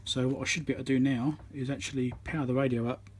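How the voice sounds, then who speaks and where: An electronics repairer gives an informal, matter-of-fact hands-on tutorial, thinking aloud as he works. His medium-pitched voice is flat, fast and slightly rough, recorded on a phone mounted on a tripod.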